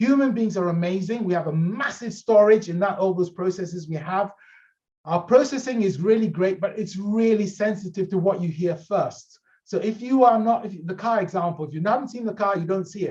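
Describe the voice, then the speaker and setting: A man talks at a fairly quick pace in an animated tone. His high pitch shows ordinary variation. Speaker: professor and keynote speaker. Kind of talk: keynote talk. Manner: fast.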